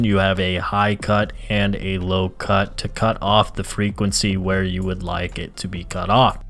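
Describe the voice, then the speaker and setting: A man narrating a software tutorial as host, explaining step by step and addressing viewers directly. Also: fairly low pitch. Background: background music.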